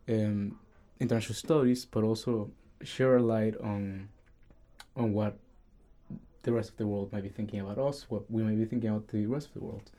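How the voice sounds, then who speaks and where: Young male co-host, student, mellow and low-voiced, earnest. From Caracas, Venezuela. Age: young adult. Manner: earnest, with fillers and restarts. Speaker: podcast co-host. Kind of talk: casual student podcast chat.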